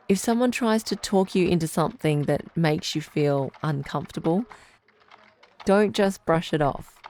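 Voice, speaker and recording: A woman playing a calm, supportive radio advice doctor, speaking in a deliberate, reassuring way. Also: low voice. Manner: reassuring, deliberate, clearly phrased. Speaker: radio call-in show host. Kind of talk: radio advice show, measured delivery.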